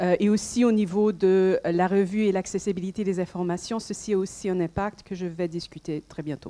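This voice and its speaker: A woman is speaking. Her tone is dark and mellow. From Canada. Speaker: archivist, speaker at a conference. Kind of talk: conference talk. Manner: halting, many hesitations.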